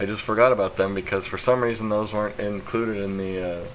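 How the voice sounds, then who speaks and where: A quiet, mumbling man with a very deep, low pitch at a very fast pace, amid noticeable background noise and audible room echo. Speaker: podcast co-host. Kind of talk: casual chat. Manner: quiet, mumbly.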